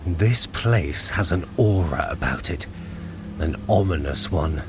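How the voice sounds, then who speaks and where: An actor playing a clever, wry god of mischief with dry, articulate, theatrical delivery in a fantasy audio drama. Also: male voice, deep voice, expressive, takes it slowly, heavy background noise. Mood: wry, pondering.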